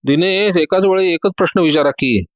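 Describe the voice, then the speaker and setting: A man's voice: sits high, normal speed, no room sound, pitched above the performer's own voice, natural voice. A man voicing a confident, witty male detective who teases everyone in a breezy way. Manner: teasing, breezy.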